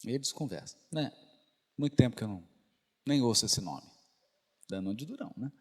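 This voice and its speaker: A man's voice: mid-range voice, expressive, brisk, darkish tone, husky. A man giving a spiritist lecture, telling a story with rhetorical questions to the audience. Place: lecture hall. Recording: reverberant lecture hall.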